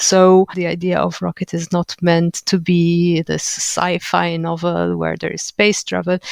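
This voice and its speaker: Over noticeable background noise, a woman speaks at a fairly slow pace with hardly any pauses, in a dry, close sound with no echo. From Malta. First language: Maltese. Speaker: author and translator. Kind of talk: interview. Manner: halting.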